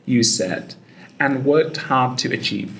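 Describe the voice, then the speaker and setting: A woman's voice: a bass voice, slow pace, reverberant, background noise. A woman acting as examiner in a mock speaking test, guiding the candidate and giving brief encouraging praise.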